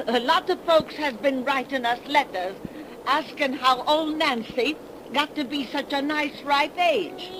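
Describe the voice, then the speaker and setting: A crone over a hundred years old cackles and drawls in a high, creaky-old voice. She takes her time over every word, folksy and sly. The old broadcast is buried under steady hiss. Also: measured pace. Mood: boastful. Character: ancient cackling female witch, 110 years old. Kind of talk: 1930s radio drama acting. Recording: hissy 1930s radio broadcast recording.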